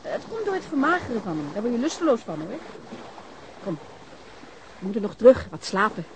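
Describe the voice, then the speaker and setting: A woman playing a playful, caring and outspoken companion in a radio drama, brisk and coaxing. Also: fairly high pitch, sing-song. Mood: reassuring. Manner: brisk, coaxing, plain-spoken. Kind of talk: naturalistic Dutch radio drama acting. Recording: clear outdoor ambience noise behind.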